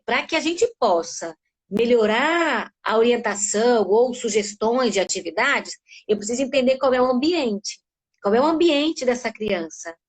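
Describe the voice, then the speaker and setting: A middle-aged woman from Brazil, a speech therapist giving an animated talk in a live webinar and acting out sounds with her voice. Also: fairly high pitch.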